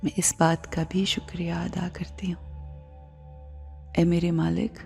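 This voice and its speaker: A woman with a South Asian accent leads a guided meditation in a measured, hushed way, phrases trailing into a breathy near-whisper. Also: on the low side, level tone. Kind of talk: slow, soft Islamic guided meditation. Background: music bed.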